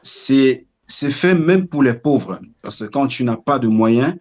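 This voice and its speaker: A middle-aged man from Cameroon speaks as an interview guest, at an ordinary male pitch. He tells his story slowly and reflectively, weighing his words and often pausing to find the right one. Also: lively intonation. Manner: measured, searching for words.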